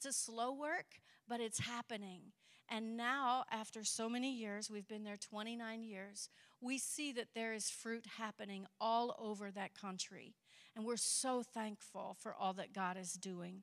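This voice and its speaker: Her voice fairly high and her intonation fairly even, the woman speaks at a fairly slow pace. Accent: Southern US. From US South, Kentucky. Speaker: missionary. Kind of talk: testimony. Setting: church.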